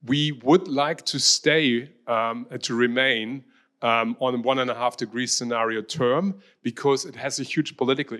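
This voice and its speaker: A man's voice: medium pitch, a bit bright. German-accented man giving a hesitant talk. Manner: hesitant, many ums and restarts. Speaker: university researcher. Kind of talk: presenting a talk with slides.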